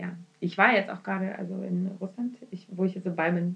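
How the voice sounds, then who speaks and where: At a fairly quick pace, a woman speaks at medium pitch, somewhat breathy. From former Soviet Union. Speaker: podcast co-host. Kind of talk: casual chat. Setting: studio, hosts sitting apart.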